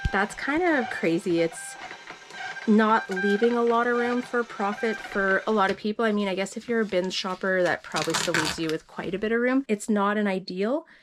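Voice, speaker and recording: Fairly high female voice at a moderate pace, ordinary pitch variation, noticeable background noise. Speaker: online reseller. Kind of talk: casual vlog talk. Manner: casual, filler-heavy.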